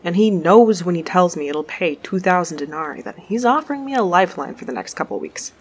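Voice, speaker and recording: An actress playing a wry, sharp-tongued, foul-mouthed space courier in an audio drama, talking in a sardonic, colloquial way. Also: female voice, fairly low pitch, lively intonation, brisk, slight background noise, close to an everyday voice. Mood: wry storytelling. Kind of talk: first-person audio drama narration and dialogue.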